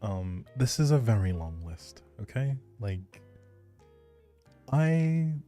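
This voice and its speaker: A man's voice: mid-range voice, sing-song, takes it slowly, mellow, soft background music. A man chatting casually and thinking aloud on a gaming livestream, easygoing and polite. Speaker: video game livestreamer.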